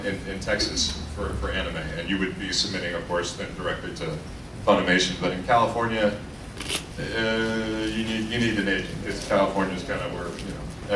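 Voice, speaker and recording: Guy with lowish voice doing a casual voice actor panel, animated storytelling, far from mic, roomy echo. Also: fairly quick. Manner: animated storyteller who acts out quoted lines. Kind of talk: casual anecdotes and advice to an audience. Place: convention panel room. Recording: echoey room, distant mic, clear background noise.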